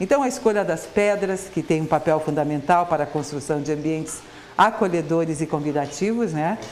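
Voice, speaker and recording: Noticeable background noise runs through the clip. A woman speaks over it at a moderate pace. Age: old. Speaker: TV cooking show host. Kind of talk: TV cooking segment chat; sponsor promotion. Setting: TV studio kitchen.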